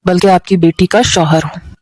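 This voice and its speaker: A woman's voice: fairly low pitch, fairly even intonation, darkish tone, no echo, natural voice. A woman with a Pakistani Urdu accent voicing a bitter, defiant young man who speaks in a cold, taunting way.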